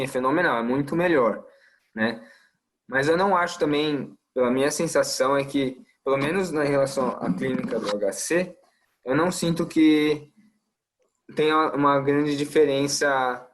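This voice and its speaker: A young Brazilian man speaks at an ordinary, middle pitch in a relaxed podcast chat. His Brazilian Portuguese accent comes through as he works out his thoughts aloud, filling pauses and trailing off into small asides. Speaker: medical resident.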